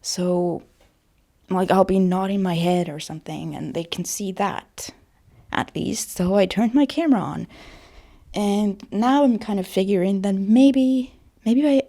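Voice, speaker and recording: A woman talking in a casual personal vlog style, with a creaky voice and a hesitant, self-conscious, rambling manner. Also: mid-range voice, a little slow, warm tone. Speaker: voice actor vlogger.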